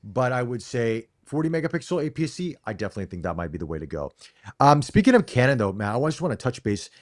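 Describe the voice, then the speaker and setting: A man's voice: mid-range voice, big pitch swings, fast talker. A middle-aged American man co-hosting a casual live-stream chat, talking emphatically and often restarting his phrases. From United States. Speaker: co-host.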